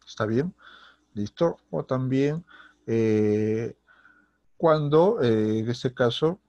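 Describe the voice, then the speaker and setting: A man's voice: medium pitch, expressive, extremely slow, dark tone, no echo, lo-fi sound. A Peruvian man teaching a recorded grammar lesson, who keeps checking in with the student and restarts his phrases often. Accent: Peruvian Spanish. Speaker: secondary school teacher.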